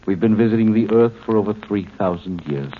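An actor playing a coolly superior alien commander in human form, speaking formally and condescendingly in a 1950s radio drama. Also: male voice, lowish voice, lightly acted. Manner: formal, condescending, measured explanations. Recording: tinny, noisy 1950s radio recording.

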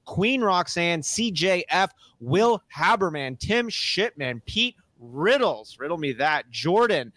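A man hosting a podcast, talking energetically and rattling off lists at a quick clip. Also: a little high, big pitch swings, a bit bright, dry recording. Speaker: podcast host. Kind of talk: upbeat casual podcast talk.

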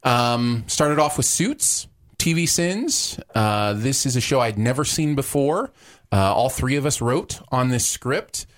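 Lively chatty male podcast host. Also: medium pitch, measured pace. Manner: laughs often, lively and chatty. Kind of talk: casual podcast chat.

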